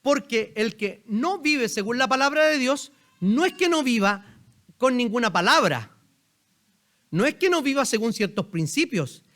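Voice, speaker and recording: A male pastor with a Chilean accent delivers a sermon in a church sanctuary, his very high, somewhat bright voice swinging widely in pitch as he takes his time. His tone is conversational, and he addresses questions straight to the people in the pews.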